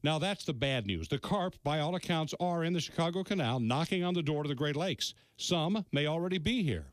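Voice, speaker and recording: American guy doing tv news voiceover, kinda high voice, really animated, dramatic storytelling. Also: a little fast, no room sound. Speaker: TV news reporter. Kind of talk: scripted news feature narration.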